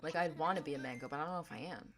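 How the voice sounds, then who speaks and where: A young woman with a deep voice chatting casually on a gaming livestream, rambling in a playful, laid-back way. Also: very fast, a bit bright. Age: young adult.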